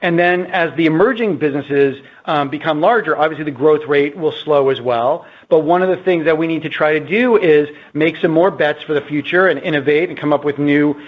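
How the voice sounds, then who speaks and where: A man speaking as a company executive, answering on an earnings call in a measured, explanatory way. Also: on the high side. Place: conference call line. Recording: dull, muffled conference call audio.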